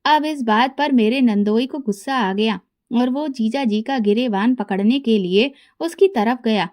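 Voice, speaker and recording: Brief: woman storyteller, high voice, steady dramatic first-person narration. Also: measured pace.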